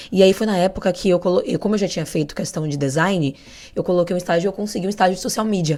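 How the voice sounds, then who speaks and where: Talking at a very fast pace, a woman has a dark, mellow tone, medium pitch and ordinary pitch variation. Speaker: sports reporter and journalism student. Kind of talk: podcast interview.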